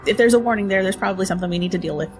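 A woman playing a tabletop game in character, lively and casually swearing. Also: medium pitch, very fast, soft background music. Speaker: player.

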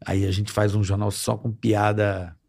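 Male podcast host, teasing and pushy, relaxed casual chat. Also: fairly low pitch, a little slow, vocal fry. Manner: teasing, insistent.

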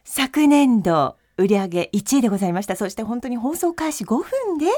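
A woman acts out an earnest home-shopping presenter. The voice is very high, with emphatic, humble customer-service politeness, hyping the goods in a TV sales parody. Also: sing-song, a little fast, darkish tone. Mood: earnest hype.

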